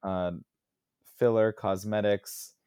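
A man's voice: lowish voice, flat delivery, slow, warm tone, clean tone, no echo, clean studio sound. A man co-hosting a casual podcast, easygoing and restarting his sentences often. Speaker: podcast co-host.

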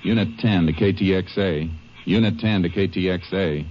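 Deep male voice, actor playing calm observant ranger, western radio drama, muffled 1950s recording. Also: moderate pace, natural voice. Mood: brisk, official. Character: calm, observant, methodical Texas Ranger lawman. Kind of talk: old-time western radio drama acting. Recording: dull 1950s radio recording, faint noise.

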